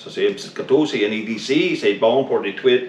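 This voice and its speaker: Noticeable background noise sits under a man who talks at a very slow pace. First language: English (speaking French). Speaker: knife maker. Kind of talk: interview. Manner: halting.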